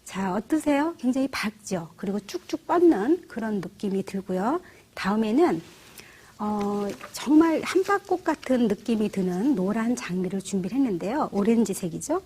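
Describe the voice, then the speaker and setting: A middle-aged woman teaching church flower arranging, explaining each step gently and often asking the viewer rhetorical questions. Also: mid-range voice, expressive, normal speed, slight background noise. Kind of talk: instructional demonstration.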